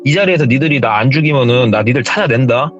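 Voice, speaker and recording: A man's voice: medium pitch, animated, fast talker, highs cut off, faint music behind, close to an everyday voice. A man voicing a belligerent, hot-tempered young tough guy who bullies and threatens, in a retold horror story. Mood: threatening. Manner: menacing, threatening and bullying.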